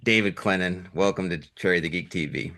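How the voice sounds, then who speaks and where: A man hosting a conversational film interview, with slightly halting phrasing. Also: sits low, fairly bright tone. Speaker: interviewer, show host.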